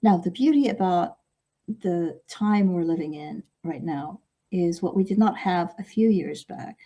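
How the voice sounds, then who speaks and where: A middle-aged woman whose first language is Arabic talks as a podcast guest. Her voice is husky and mellow. She speaks reflectively, often pausing to ask "okay?". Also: on the low side, lively intonation, lo-fi sound. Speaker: guest author. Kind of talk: podcast interview.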